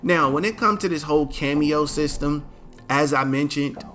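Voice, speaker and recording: A man's voice: a little high, normal speed, fairly bright tone. A man hosting a casual gaming video, chatting in a laid-back, slangy way while sleepy and stifling yawns. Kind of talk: casual commentary to camera.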